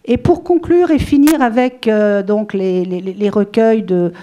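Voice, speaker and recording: At a book event in a small room with a seated audience, a middle-aged French woman speaks into a handheld mic about her writing, rambling with many fillers and restarts. Her mid-range voice is unhurried and dark. The highs are cut off and there's slight hiss or hum.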